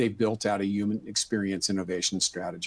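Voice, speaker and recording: A man speaks at a fairly quick pace. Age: 60s. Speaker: keynote speaker and healthcare futurist. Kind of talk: keynote webinar talk. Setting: online webinar. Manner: animated.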